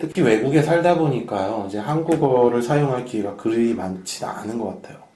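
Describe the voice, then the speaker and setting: Noticeable background noise sits behind this speaker. He is a man of medium pitch talking at a fairly quick pace. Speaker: podcast host. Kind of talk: casual chat.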